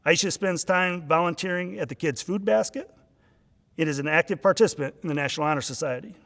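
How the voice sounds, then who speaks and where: A man's voice: on the high side, quick pace, fairly bright tone. Man principal giving a formal speech. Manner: formal, praising introduction. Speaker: high school principal. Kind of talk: formal speech at an awards ceremony. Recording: long reverb of a large hall.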